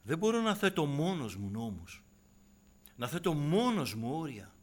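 A man preaching a sermon to his congregation, dropping to hushed asides and then rising into loud, impassioned exhortation. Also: on the high side, big pitch swings. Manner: keeps addressing listeners as brothers and sisters.

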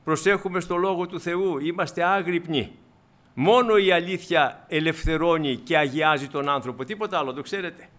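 A man delivering a sermon with a bright, forceful tone and a somewhat high voice. His preaching is expressive, climbing to emphatic peaks before dropping back down.

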